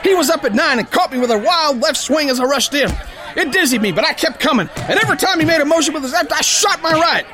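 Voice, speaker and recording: A brash, none-too-bright sailor prizefighter spins his pulp radio-play tale in rough, folksy diction. His voice sits very high for a man and has a hard, bright edge. The delivery is boisterous and exclamatory, with lively swings in pitch. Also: fast talker, faint music behind, heavily acted. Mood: excited, forceful. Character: brash, hot-headed, dim-witted brawling male sailor boxer telling his tale. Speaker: audio drama narrator and lead actor. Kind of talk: theatrical first-person pulp story narration.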